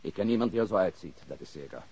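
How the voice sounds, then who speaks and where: An actor playing a guarded but cooperative Swiss-German immigrant car mechanic in a radio crime drama, speaking in short, simple sentences. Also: male voice, deep voice, animated, fast talker, mellow, slightly rough, exaggerated voice.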